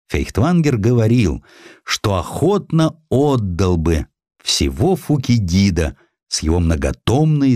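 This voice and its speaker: A man reading historical essays as an audiobook narrator, in an expressive scripted storytelling style. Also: low voice, no room sound, clean studio sound. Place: dry recording studio.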